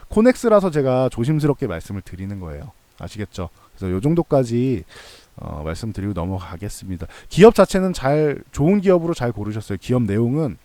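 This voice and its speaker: Speaking to viewers of his stock analysis channel, a man offers casual explanatory commentary, keeping it conversational and reassuring while restating key points to drive them home. He has a medium-pitched voice with a darkish tone. No room sound is audible.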